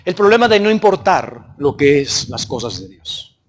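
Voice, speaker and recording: A male pastor preaching and reading scripture aloud, stopping often to ask the congregation what the text says, his delivery swinging between raised and hushed. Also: on the high side, sing-song, normal speed. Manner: prompts the congregation with repeated questions.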